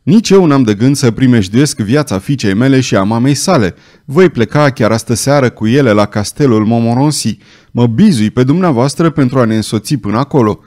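A man voicing a proud, commanding middle-aged nobleman who speaks forcefully. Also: medium pitch, natural voice.

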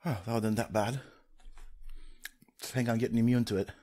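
A man's voice: medium pitch, steady tone, warm tone. A young man reacting casually to the camera while suffering the burn of hot horseradish, sweating and teary, with groans and sighs between short phrases. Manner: slow, broken utterances with groans, sighs and exclamations. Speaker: vlogger doing a food challenge. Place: small home room with desk. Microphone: studio condenser mic on boom arm, close.

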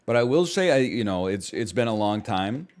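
A man in his thirties riffing casually while streaming games, animated and swinging between loud and quiet for comic bits, on a headset mic at home. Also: fairly low pitch, moderate pace. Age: 30s. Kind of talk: casual gaming stream chat. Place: small room at home.

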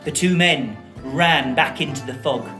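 A woman telling a story to children in a theatrical way, with dramatic, deliberate phrasing. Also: sits low, a bit bright, faint music behind.

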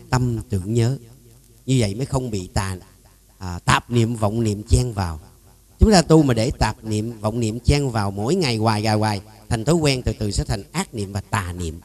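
A man, a Buddhist monk giving a dharma talk. He speaks emphatically, swings between loud and soft, and keeps asking his listeners rhetorical questions. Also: mid-range voice.

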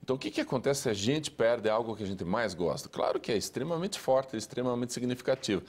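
A man, an educator answering interview questions in a measured, lecturing way. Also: mid-range voice, expressive. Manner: measured, lecturing, lists steps.

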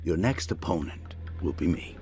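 Stern old kung fu master. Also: male voice, low-pitched, expressive, moderate pace, darkish tone. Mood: cool menace. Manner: stern, clipped, menacing. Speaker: martial arts master. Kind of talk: animated film acting. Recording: film soundtrack with prominent music.

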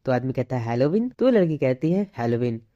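A woman narrating an anime recap, retelling the plot and reading each character's lines in a plain, steady way. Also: very deep voice, fairly quick, lo-fi sound.

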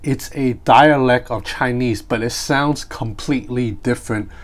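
A man whose first language is Cantonese, reviewing a gadget in a relaxed, chatty way from a tabletop indoors, talking into a separate mic as he demonstrates. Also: medium pitch, a little slow. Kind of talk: casual product review. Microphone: separate mic near the desk.

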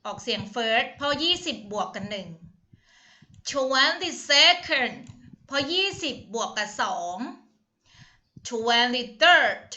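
A Thai woman teaching a primary English class on a video call, explaining in Thai and slowly modelling English words for the children. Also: a little high, expressive, bright, forceful tone, poor audio. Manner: slow, patient, drawn-out model pronunciation of English words.

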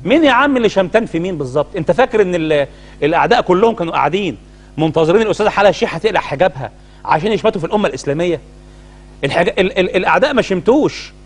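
Middle-aged Egyptian male cleric, talk-show co-host; high-pitched, rapid, indignant delivery. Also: expressive. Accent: Egyptian Arabic. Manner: indignant, hammering rhetorical questions. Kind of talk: heated studio talk-show commentary.

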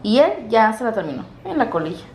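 A woman's voice: on the high side, very animated, fast, darkish tone. Sleepy, chatty young woman vlogging. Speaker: beauty vlogger. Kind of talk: casual vlog chat to camera. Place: home, indoors and out in the yard. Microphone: handheld camera.

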